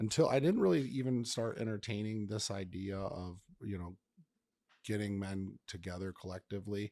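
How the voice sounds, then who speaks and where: On a very clean recording with a silent background, a man with an American accent talks in a dark, mellow tone with ordinary pitch variation. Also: fairly low pitch for a man, moderate pace. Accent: slight accent on certain words. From US Midwest (West Michigan), partly Maine. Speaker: podcast host. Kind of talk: casual chat. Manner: halting.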